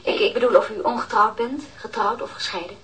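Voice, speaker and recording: A woman playing a police inspector in a radio drama, questioning gently, carefully and formally. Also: fairly high pitch, fairly quick, a little hiss or hum, rough recording. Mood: gentle, formal. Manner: formal, considerate. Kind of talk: naturalistic radio drama interrogation.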